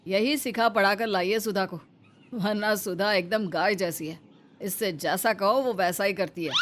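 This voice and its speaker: A woman's voice: medium pitch, unhurried, slight background noise, lightly acted. A woman voicing a mocking elder brother-in-law in a cartoon, sneering and dismissive.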